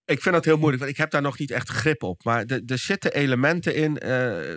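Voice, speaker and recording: A man with a Dutch accent, a podcast guest explaining his ideas with frequent restarts and searching pauses. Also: mid-range voice, lively intonation, fairly bright tone, no echo, clean studio sound. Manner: thoughtful, searching for words with many restarts. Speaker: podcast guest, behavioral scientist and speaker. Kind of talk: casual podcast conversation.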